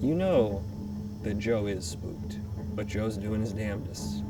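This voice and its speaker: A man's voice: lowish voice, lively intonation, a little slow, recorded from a distance, over loud music. A man narrating an improvised tabletop adventure as game master.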